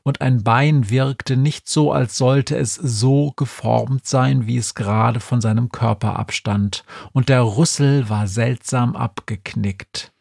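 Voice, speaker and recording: A man narrating a children's audiobook in a wry, deadpan storytelling manner. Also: medium pitch, slow, creaky, hardly any pauses, dry recording, studio quality.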